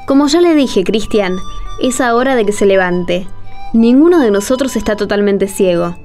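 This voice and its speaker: A woman's voice: medium pitch, animated, normal speed, a little mellow, faint music behind, close to an everyday voice. An actress with an Argentine accent playing an earnest, plain-spoken woman in a radio drama.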